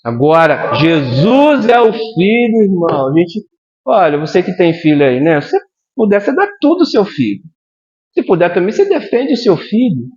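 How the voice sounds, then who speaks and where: Animated preacher, lively high voice. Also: male voice, normal speed, muffled recording. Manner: animated, addresses the congregation directly with frequent "amém?". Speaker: pastor. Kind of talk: sermon. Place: church.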